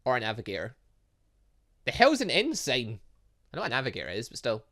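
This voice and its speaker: A male gaming host with a bright, forceful voice. His pitch moves around a lot as he reads game text aloud and drops in chatty comments. He occasionally stumbles on a word and carries on. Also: wildly swooping pitch, fairly quick. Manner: stumbles over long words, chatty asides. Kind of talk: let's play, reading game dialogue aloud with commentary.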